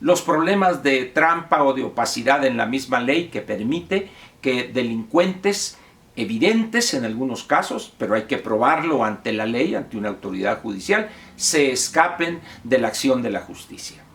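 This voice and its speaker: Gravelly Mexican man lecturing the viewer. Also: medium pitch, lively intonation, normal speed, fairly bright tone. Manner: lecturing, rhetorical questions to the viewer. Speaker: political commentator. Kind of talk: monologue commentary.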